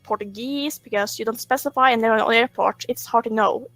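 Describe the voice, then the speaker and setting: A woman's voice: on the high side, a little fast, a bit bright, no room sound, soft background music. A woman guest on a podcast, chatting casually in a rambling, conversational way and telling anecdotes. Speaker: podcast guest, fanfiction writer.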